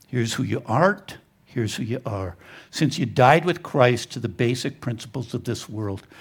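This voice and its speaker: On a very clean recording with a silent background, a man at medium pitch talks at a moderate pace, somewhat breathy and with lively intonation. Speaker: pastor. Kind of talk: sermon. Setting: church. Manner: halting.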